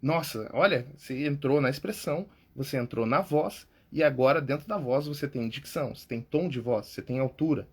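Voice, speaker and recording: Briskly and with few pauses, a Brazilian man offers public speaking tips in a slightly rough mid-range voice with a Brazilian Portuguese accent. As a coach and podcast host, he keeps it informal, repeatedly checking in with "tá?" and "cara."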